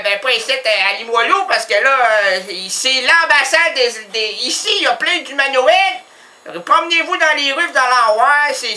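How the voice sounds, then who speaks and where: Rambling jokey Québécois radio host. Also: male voice, very high-pitched, recorded from a distance. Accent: Québécois French. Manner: rambling, jokey, many restarts; animated, does voices. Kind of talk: comic radio monologue. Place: radio studio.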